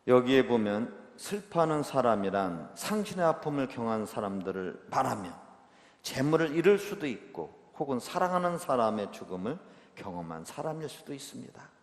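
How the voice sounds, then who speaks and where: A man, a Catholic priest, giving a catechism retreat talk, moving between hushed near-whispers and loud, emotional storytelling. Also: medium pitch. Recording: echoey hall with long reverb.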